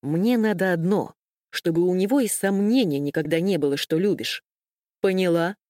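A woman's voice: fairly low pitch, normal speed, mellow, dry recording, studio quality, close to an everyday voice. A woman voicing a stern, scornful young man who berates and threatens in a commanding tone. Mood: threatening. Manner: harsh, commanding, contemptuous.

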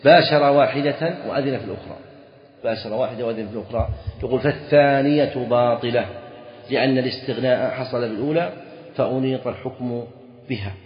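A man's voice: medium pitch, quick pace. A man teaching a legal text, reading each line, then explaining it and repeating key phrases as he asks and answers his own questions. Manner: asks the students questions and answers them himself. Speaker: Islamic scholar teaching a fiqh text. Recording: echoey hall recording, dull lo-fi sound.

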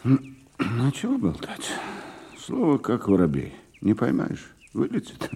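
An actor playing a wily, flattering kebab seller with an ingratiating, sing-song manner in an audio drama. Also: male voice, medium pitch, unhurried, gravelly, breathy edge, exaggerated voice. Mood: guarded, evasive.

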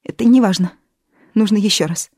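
A woman's voice: mid-range voice, a little fast, darkish tone, no room sound, natural voice. A woman voicing a curt, dry-witted woman writer in an audiobook. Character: brisk, sharp-tongued woman, writer.

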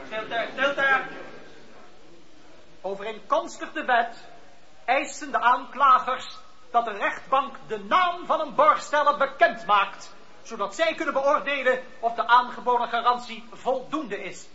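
Hostile prosecuting clergyman, radio play, extremely sharp tense voice, insistent, formal, dull lo-fi sound. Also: extremely high pitch, unhurried, pauses often, exaggerated voice. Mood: stern demand. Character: indignant, hostile male clergy prosecutor in court. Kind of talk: Dutch radio play acting.

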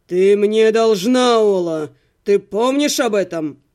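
A woman voicing a smug young blond nobleman who purrs and growls his words slowly. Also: medium pitch, lively intonation, a little mellow, pitched below the performer's own voice. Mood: threatening. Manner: purring, slow and threatening.

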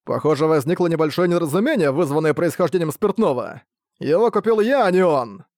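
A man voicing a huge, jovial male warrior who talks in a booming, cheerful way. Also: lively intonation, fairly quick, a little mellow, no room sound, clean studio sound, lightly acted. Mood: hearty.

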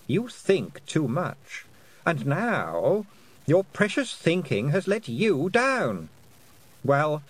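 A man's voice: fairly high pitch, pitched above the performer's own voice, full character voice. A man putting on a silky, taunting fairy queen. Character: cruel, mocking fairy queen woman.

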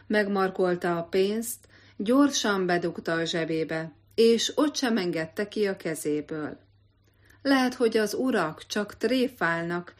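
Low-voiced woman reading a story. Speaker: audiobook reader. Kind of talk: expressive literary narration.

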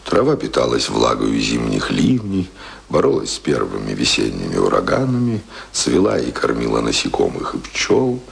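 An actor in a radio play playing an earnest, passionate young self-taught would-be writer, speaking ardently and poetically. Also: male voice, very deep voice, wildly swooping pitch, moderate pace, vocal fry, exaggerated voice. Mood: rapturous.

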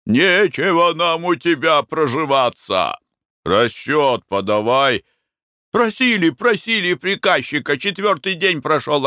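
A man reading aloud, voicing a crowd of angry male barge workers who shout their demands loudly, indignantly and in drawn-out calls. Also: a little high, no echo, clean studio sound, voice pushed up, exaggerated voice.

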